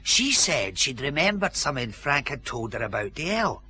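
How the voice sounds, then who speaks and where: A man's voice: medium pitch, very animated, normal speed, bright, forceful tone. An actor with a Scottish accent playing a wheedling older ex-housebreaker who loves his whisky, cheeky and chuckling, in a radio drama. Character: wily old Glasgow ex-burglar, fond of whisky. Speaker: dead woman's uncle, ex-housebreaker.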